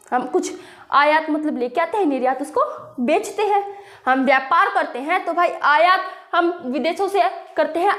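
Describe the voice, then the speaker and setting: A woman's voice: extremely high pitch, fairly bright tone, roomy sound. A young woman teaching a casual grammar lesson, explaining with rhetorical questions and checking in often.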